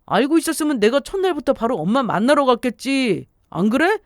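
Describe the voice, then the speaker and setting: A woman's voice: high-pitched, big pitch swings, brisk, no room sound, studio quality, pitched above the performer's own voice. A woman voicing a defensive young husband, a mama's boy, in a story radio dialogue. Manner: pleading, defensive.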